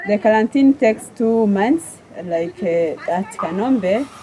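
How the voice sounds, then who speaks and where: A woman is speaking. Noticeable noise runs in the background. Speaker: sanctuary guide. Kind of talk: interview answer. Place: open country.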